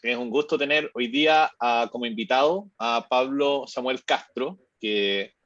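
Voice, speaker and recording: A man's voice: medium pitch, measured pace, fairly bright tone, no echo. A man hosting an online seminar, introducing a guest hesitantly with many fillers. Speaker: host. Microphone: video call. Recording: dry, muffled video call audio.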